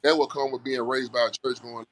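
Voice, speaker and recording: A man's voice: medium pitch, level tone, fairly quick, a bit bright, no echo. A man from Alabama with a Southern Black American accent, chatting casually and earnestly in a folksy way as an interview guest. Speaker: music artist guest.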